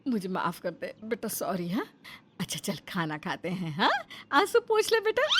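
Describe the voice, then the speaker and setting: A woman's voice: mid-range voice, huge pitch swings, normal speed, noisy background, pitched below the performer's own voice. A woman voicing a fussy, doting middle-aged mother-in-law in a cartoon, theatrical in her scolding and fondness. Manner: scolding then affectionate, theatrical. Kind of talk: Hindi cartoon voice acting.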